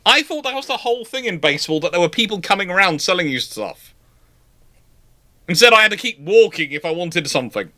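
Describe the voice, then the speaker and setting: A British man in his forties hosts a casual live Q&A chat in a high, bright, forceful voice with big pitch swings and a brisk pace. As a live stream host, he rambles and is emphatic in his opinions.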